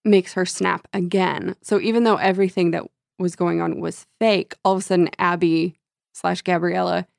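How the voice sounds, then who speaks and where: A woman with a gravelly, husky, tired voice, casually discussing books in blunt, slangy, sweary language. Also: fairly low pitch, fairly even intonation, normal speed, no room sound, clean studio sound. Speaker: book discussion show co-host.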